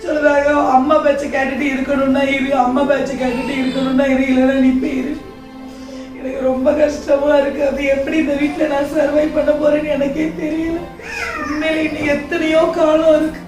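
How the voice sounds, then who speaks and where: A woman's voice: high voice, flat delivery, brisk, close to an everyday voice. A woman acting a young wife worn down by her in-laws, pleading, tearful and at times angry, in an amateur church family skit. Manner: emotional and pleading, bursts of anger. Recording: echoey room, far mic, faint music.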